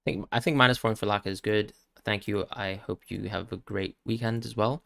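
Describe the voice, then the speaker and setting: A man hosting a live question-and-answer stream, talking quickly as he reads out viewers' questions and answers each one on the spot. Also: on the low side, steady tone, vocal fry, sharp tone, no room sound, clean studio sound. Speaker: fantasy football stream host.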